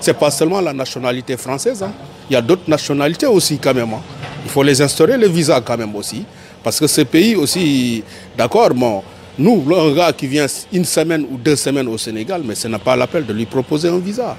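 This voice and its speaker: This man from Senegal, interviewed on the street as a tourism worker, has a somewhat high, slightly mellow voice that's animated and a bit fast. With his Senegalese French accent, he pleads earnestly, repeating himself to press his case. A little hiss or hum is audible.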